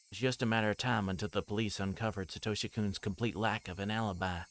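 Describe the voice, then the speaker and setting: A man reads a story game aloud live on stream, fast and in a lowish voice, breaking off for asides. He stumbles over lines at times and corrects them. Behind him there's a steady noise.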